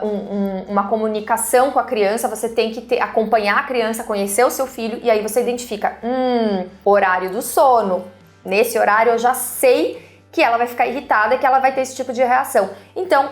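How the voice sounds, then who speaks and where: Earnest Brazilian woman giving parenting advice. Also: on the high side. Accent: Brazilian Portuguese. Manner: earnest, explanatory, with frequent tag questions. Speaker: parenting channel host. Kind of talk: advice talk to camera. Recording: roomy echo.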